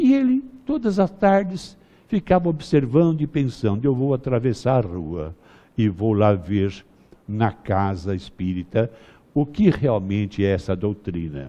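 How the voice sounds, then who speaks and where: A man's dark, mellow voice at a medium pitch, with very wide pitch swings and a fairly slow pace. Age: 80s+. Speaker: spiritist lecturer. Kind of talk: religious lecture. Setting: spiritist center with audience.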